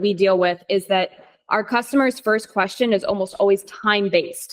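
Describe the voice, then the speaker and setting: Very fast delivery with an American accent and ordinary pitch variation. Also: woman. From US, Denver, Colorado. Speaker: tech conference speaker, developer advocate. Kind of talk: tech talk presentation.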